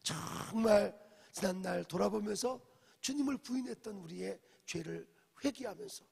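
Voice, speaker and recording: The pastor's voice sits high and is creaky, darkish, and breathy, moving at an ordinary speed. Preaching at dawn in a reverberant sanctuary, he tells the story, performs quoted dialogue, questions his listeners, and uses English phrases here and there.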